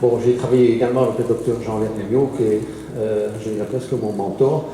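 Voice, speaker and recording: A man in his fifties with a Belgian accent from Liège lectures in a large hall. His voice is very dark and mellow, and it rings out with strong echo and a long reverb tail. He hesitates often, fills gaps with short sounds and chuckles between points. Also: fairly low pitch, steady tone, brisk, a little hiss or hum. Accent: Liège Belgian French. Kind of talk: public lecture.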